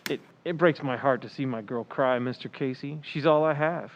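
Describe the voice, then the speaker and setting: A man's voice: medium pitch, normal speed, dull audio, a little hiss or hum, close to an everyday voice. A man playing an anxious, protective middle-aged father, hesitant and formal, in an old-time radio drama. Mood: worried, sorrowful.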